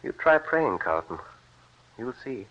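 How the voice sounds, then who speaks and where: A devout immigrant farmer. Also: male voice, mid-range voice, sing-song, a little slow. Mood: earnest. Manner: earnest, plain-spoken, formal. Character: devout Mennonite immigrant farmer, middle-aged man. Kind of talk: 1940s radio acting. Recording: dull lo-fi old radio recording.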